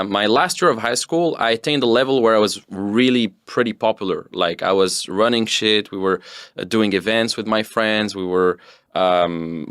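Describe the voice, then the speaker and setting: A young man from Tunisia, telling his story as a guest in a relaxed, rambling way. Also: on the low side, clear, resonant tone, no echo, studio quality. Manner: relaxed, rambling with fillers and restarts. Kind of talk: casual interview storytelling.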